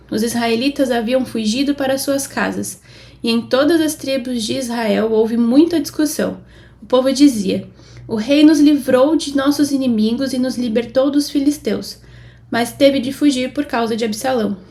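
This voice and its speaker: A high-pitched woman with a Brazilian Portuguese accent reads scripture at normal speed. She holds a steady tone, lifting it for passages of quoted speech.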